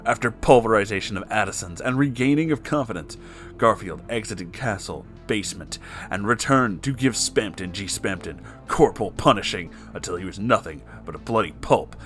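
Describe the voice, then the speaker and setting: A man's voice: fairly low pitch, a bit bright. A man narrating a comic fan story in a theatrical, mock-serious dramatic reading. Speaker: story reader.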